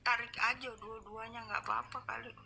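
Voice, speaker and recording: A woman with a bright, fairly high voice chats casually late at night. She tells her stories in an animated way, often sighing in dismay. She talks like a fitness instructor unwinding with a friend. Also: moderate pace, gravelly, a little hiss or hum. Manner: animated storyteller, sighs of dismay.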